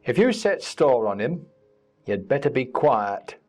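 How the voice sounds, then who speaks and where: A reader doing a surly loud young farmhand. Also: mid-range voice, very animated, faint music behind. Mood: defiant. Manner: loud, slow, defiant. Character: surly rough young farm man.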